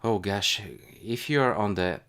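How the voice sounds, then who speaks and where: A man hosting a casual live stream as a retail investor, thinking aloud in a halting, hesitant way. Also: on the low side, a bit bright, clear, resonant tone. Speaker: livestream host, retail investor.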